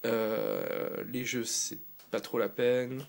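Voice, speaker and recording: Casting: man, casual gadget reviewer, gravelly edge, rambling delivery. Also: mid-range voice, huge pitch swings, very slow. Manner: loose and rambling, with fillers and restarts. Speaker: tech reviewer.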